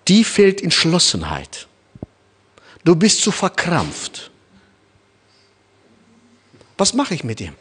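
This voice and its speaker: A man's high voice, born in Kazakhstan and carrying a noticeable foreign accent, preaches to his congregation. His pitch leaps and falls constantly as he acts out small scenes and turns to his listeners with direct questions. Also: huge pitch swings, slow pace, pauses often, a bit bright, husky. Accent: Kazakh-born, speaking German with a noticeable foreign accent. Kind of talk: sermon.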